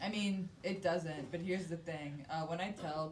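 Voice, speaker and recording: In a room with audible echo, a woman with a fairly low pitch speaks at a moderate pace, somewhat breathy and monotone, with flat intonation. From Middle East. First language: not English. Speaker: stand-up comedian. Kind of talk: stand-up. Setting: stage with audience.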